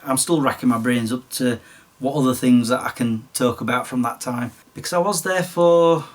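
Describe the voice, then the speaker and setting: A man in his late forties with a Sheffield accent, chatting casually and self-deprecatingly about his past, his voice slightly croaky. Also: medium pitch, moderate pace, distant mic. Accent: Sheffield English. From Sheffield, England. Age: late 40s. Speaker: YouTuber. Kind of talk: casual storytelling monologue.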